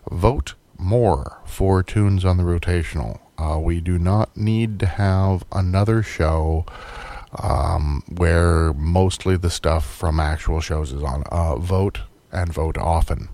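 A man's voice: low-pitched, takes it slowly, mellow, no room sound. A man hosting a casual radio show, rambling with dry jokes while losing his voice. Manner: rambling, dry joking, many hesitations. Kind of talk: casual chat.

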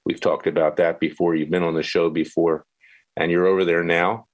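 A man's voice: low voice, level tone, moderate pace. A man hosting a political talk show, arguing bluntly and cutting in on his guest. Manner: forceful, interrupting, blunt.

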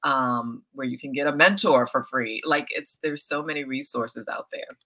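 A woman's voice: rumbling low, steady tone, moderate pace, sharp tone. A woman, an actress and founder, answering interview questions in a chatty way with many hesitations. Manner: chatty, many ums, laughs easily.

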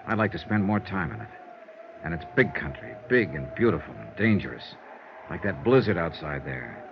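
Deep-voiced private eye, steady and reassuring, lively delivery, dull old radio hiss. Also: male voice, moderate pace. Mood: earnest. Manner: steady, reassuring, hushed when comforting. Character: tough but tender male private investigator. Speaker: narrator and lead. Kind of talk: 1950s radio drama narration.

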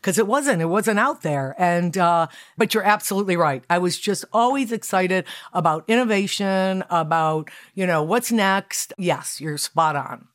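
A woman's voice: fairly low pitch, unhurried, few pauses. Enthusiastic woman telling her story. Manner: enthusiastic, animated, acts out quotes. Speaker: guest, fitness studio founder. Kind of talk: conversational interview storytelling.

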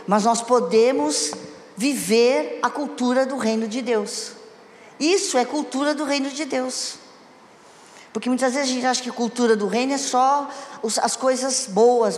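A woman giving a conversational sermon on marriage to a congregation, often asking them questions. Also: fairly high pitch. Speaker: church speaker. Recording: echoey hall with long reverb.

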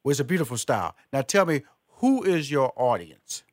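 A man's voice: medium pitch, big pitch swings, brisk, no echo. A man hosting a radio interview, enthusiastic and given to repeating words as he starts a thought. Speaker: interview host.

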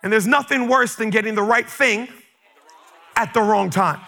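A man raised in the Caribbean, preaching a sermon to a congregation in church, fervent, with bursts of shouting and quick stammered repeats of words. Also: sits high, gravelly, slight background noise, poor audio. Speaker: pastor. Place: church sanctuary with a live congregation.

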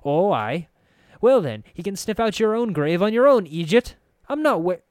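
Man voicing a sneering young street girl, thick brogue, pitched high. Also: sing-song, moderate pace, a little mellow, dry recording, clean studio sound. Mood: scathing. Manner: snappish, scornful, slangy.

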